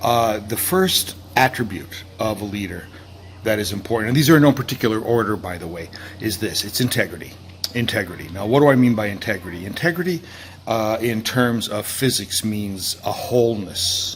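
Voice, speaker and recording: With noticeable background noise behind him, a man speaks at a fairly low pitch with lively intonation. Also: moderate pace. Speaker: motivational speaker and coach. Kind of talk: motivational talk to camera. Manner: hesitant with many fillers.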